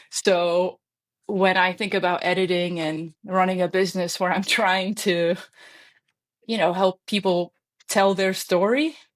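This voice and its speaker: A woman with a Bosnian accent at medium pitch, fairly slow with long, frequent pauses and fairly even intonation, on a very clean recording against a silent background. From Bosnia, then Germany as a refugee child. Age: 30s. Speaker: entrepreneur and former Marine officer. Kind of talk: casual interview conversation.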